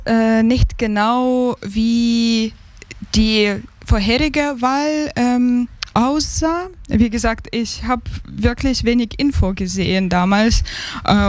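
Slow, hesitant woman from Ukraine. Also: on the high side, a little mellow. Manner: hesitant, many fillers and restarts. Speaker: interview guest, migrant council member. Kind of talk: casual interview answers.

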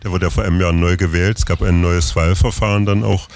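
A man interviewing guests on location, asking fluent, brisk questions. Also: low-pitched, fairly even intonation, darkish tone, slight background noise. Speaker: radio interviewer at a summer festival.

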